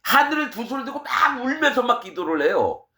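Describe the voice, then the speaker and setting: A middle-aged man preaching a sermon as pastor, fiery and scolding, switching between loud outbursts and quiet asides. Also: very high-pitched, sing-song, a little fast.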